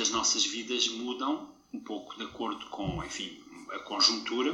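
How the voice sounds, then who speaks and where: A man's voice: lowish voice, bright, forceful tone. Reflective Portuguese man in an echoey room. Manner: measured, reflective, with hesitations. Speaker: interviewee, conductor living abroad. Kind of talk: thoughtful interview answers. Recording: echoey room with faint background noise.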